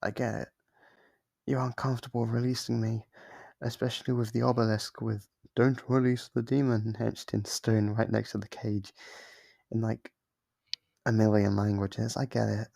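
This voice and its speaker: ASMR audio: lonely caged demon played by a man, warm gravelly tone, dry close mic, wheedling and apologetic. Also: on the low side, flat delivery, no room sound. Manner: soft-spoken, wheedling, quick to apologize. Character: lonely clingy sealed demon, sweetly manipulative.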